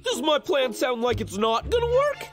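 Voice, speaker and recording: A woman voicing a naive, excitable younger-brother bear in a cartoon, with exclamatory, playful delivery. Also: high-pitched, normal speed. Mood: scheming. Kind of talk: animated cartoon dub acting. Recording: music under the voice.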